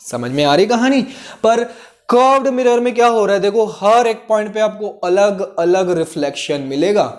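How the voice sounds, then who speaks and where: A man's voice: high voice, darkish tone. A man teaching a physics lesson in Hindi mixed with English, explaining step by step, repeating key phrases and often asking students if they follow. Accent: Indian English terms mixed into Hindi. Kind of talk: classroom lesson.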